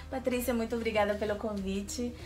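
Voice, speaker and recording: The guest on a regional TV interview show: a Peruvian-born, woman with a highish voice, explaining her project keenly. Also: fairly even intonation, moderate pace, a little mellow, soft background music. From Lima, Peru. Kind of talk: enthusiastic explanatory interview answers.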